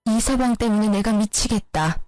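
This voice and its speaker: A woman voicing an excited, chatty middle-aged mother who gushes in rapid-fire talk. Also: mid-range voice, dry recording, soft background music, close to an everyday voice, poor audio. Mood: gushing.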